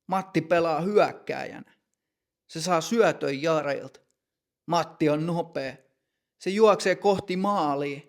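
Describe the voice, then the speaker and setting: Creaky-voiced man narrating a lesson. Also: a little high. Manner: clear, measured reading. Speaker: language teacher narrator. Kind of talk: scripted story narration for learners.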